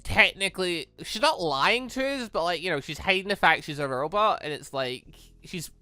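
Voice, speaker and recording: Animated, bright-voiced game streamer, very dry recording. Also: mid-range voice, normal speed, dry recording, soft background music. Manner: animated, reacts out loud, slips into character voices. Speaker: video game let's player. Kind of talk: reading visual novel dialogue aloud with casual commentary.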